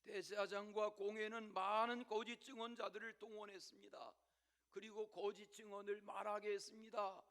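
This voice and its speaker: Male pastor, high gravelly voice, dramatic sermon delivery that swings from loud to whispered. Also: level tone, moderate pace. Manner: direct repeated appeals to the congregation. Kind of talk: Sunday sermon. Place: church service.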